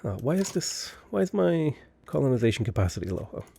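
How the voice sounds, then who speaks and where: A man's voice: mid-range voice, very animated, fast, creaky, dark tone, husky. A man with a stuffy, slightly unwell voice, chatting casually and explaining a strategy game step by step, thinking aloud as he goes. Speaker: game tutorial host. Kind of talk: casual gameplay commentary.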